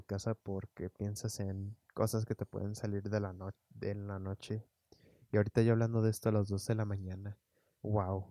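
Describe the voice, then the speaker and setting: With fairly even intonation and a dark, mellow tone, a man speaks at a moderate pace in a fairly low voice, the sound dry and close with no echo and the recording very clean with a silent background. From US, Phoenix. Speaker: podcast host. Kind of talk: casual solo monologue.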